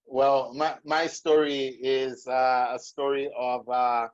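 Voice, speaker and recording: A man from Nigeria in his thirties, telling his story on a video call in a steady, measured way. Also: medium pitch. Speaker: startup founder and investor. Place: indoors, home room. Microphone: laptop mic on video call. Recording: muffled video call audio.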